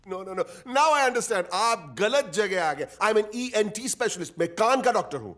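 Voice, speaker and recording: A man's voice: high voice, animated, slow pace, fairly bright tone, full character voice. An actor playing a bumbling ear doctor who mishears his patient and keeps telling him to speak up. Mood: flustered. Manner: drawling, mishears words, insists others speak up.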